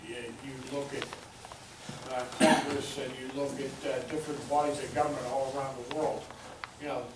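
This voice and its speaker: A man on a council who talks his view through in a measured way, pausing as he reasons. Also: mid-range voice. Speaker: council member. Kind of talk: meeting discussion. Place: council chamber. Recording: very echoey chamber audio from far off with clear hiss.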